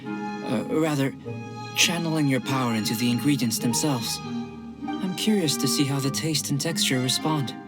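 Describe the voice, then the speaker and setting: An actor playing a calm, curious young male alchemist who speaks in precise, polite scientific phrasing. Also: medium pitch, moderate pace, natural voice. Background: game music.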